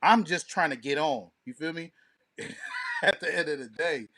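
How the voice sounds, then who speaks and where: A man's voice: fairly high pitch, wildly swooping pitch, unhurried, a crowd in the background. An American man co-hosting a podcast with casual, profane, slang-heavy commentary, punctuated by checking tag phrases. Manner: informal, profane, peppers talk with tag phrases. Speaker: podcast co-host.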